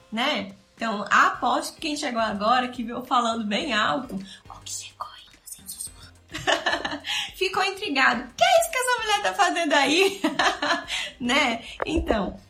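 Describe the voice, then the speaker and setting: Brazilian woman educator, bright and sharp, animated live-stream teaching, roomy echo. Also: a little high. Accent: Brazilian Portuguese. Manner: animated, acts out playful narration with loud swings. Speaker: child development educator.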